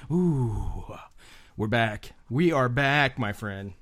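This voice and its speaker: A man's voice: medium pitch, lively intonation, very slow, fairly bright tone. A man hosting a talk radio show in a showman's announcing style, drawing out words between sponsor reads and banter. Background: music.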